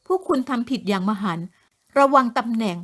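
A woman voicing a spoiled, haughty young woman who yells and protests being arrested, in a shrill, indignant tone. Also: lively intonation, drawn-out words, full character voice. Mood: defiant. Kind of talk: audiobook character voice.

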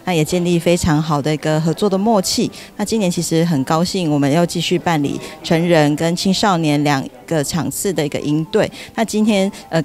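A woman's voice: low-pitched, darkish tone. A middle-aged woman with a Taiwanese Mandarin accent giving a semi-formal interview into a handheld microphone. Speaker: library official being interviewed. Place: indoor event hall. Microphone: handheld reporter microphone.

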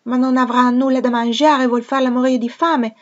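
An eager little girl begs in a raised, bright voice, as a woman reader puts her on. The pleading stays high and urgent throughout. The audio is a little dull, as in a storybook reading. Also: steady tone, normal speed, natural voice. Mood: alarmed.

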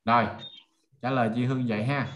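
A man with a Southern Vietnamese accent speaks as an online marketing trainer. His pitch is average and his delivery is informal, built on everyday examples and rhetorical check-in questions. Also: steady tone, fast talker, a bit bright. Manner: conversational, checks listeners follow with rhetorical questions. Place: indoors on a video call.

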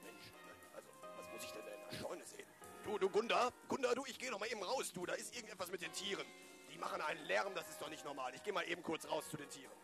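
A man's voice: high-pitched, lively intonation, fast talker, over music. A man playing a good-natured, plodding farmer in a radio play, rambling and repeating himself. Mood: homely, content. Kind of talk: improvised German radio play.

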